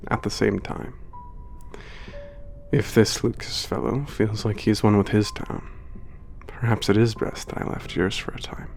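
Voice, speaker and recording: A man voicing a gentle, melancholy giant protector, soft-spoken and formal, who narrates in a reflective, often whispered voice. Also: fairly low pitch, flat delivery, unhurried, vocal fry, soft background music. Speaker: narrator of letters home. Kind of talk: ASMR audio drama narration.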